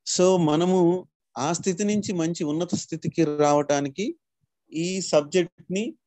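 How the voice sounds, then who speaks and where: Male spiritual teacher, slightly high voice, dry close sound, explanatory. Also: a little slow, mellow, no echo. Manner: explanatory, addresses listeners as masters. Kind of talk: spiritual class talk.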